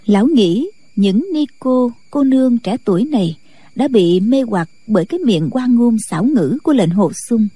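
A woman narrating a martial-arts novel as an audiobook in a steady, measured way. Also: a little high, breathy edge, dry recording.

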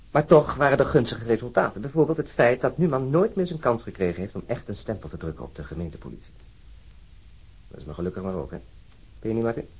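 Husky, low-voiced, disillusioned policeman. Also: a little mellow, heavily acted. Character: disillusioned, earnest male Stockholm police officer, talking at length. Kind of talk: naturalistic radio drama acting.

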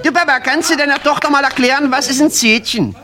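Brief: young daughter, curious and high-voiced, played by a man, hissy old tape. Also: quick pace. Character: young daughter asking her father.

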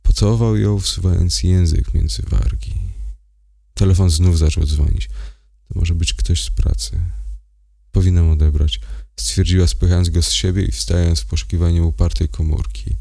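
A man reading a horror story aloud as a narrator, in a measured, even way. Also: deep voice, vocal fry, no echo, clean studio sound. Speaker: audiobook narrator.

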